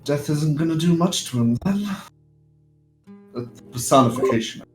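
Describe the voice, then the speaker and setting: A man's voice: on the high side, animated, normal speed. Man gaming in a roomy, echoey space. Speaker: tabletop game player. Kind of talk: casual chat, in-game reactions. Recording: roomy echo, faint guitar music.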